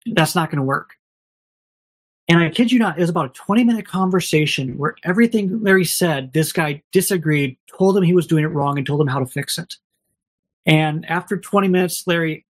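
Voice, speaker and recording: A man with a slightly high voice tells stories as a podcast guest. He speaks candidly, rambles and restarts often, and acts out other people's lines as he goes. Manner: candid, rambling, many restarts and quoted dialogue. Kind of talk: casual storytelling.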